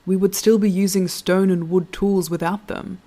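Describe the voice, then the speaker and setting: A woman playing a reflective, literate storyteller in a scripted audio drama, musing in a measured, thoughtful way. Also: mid-range voice, flat delivery, mellow, lightly acted.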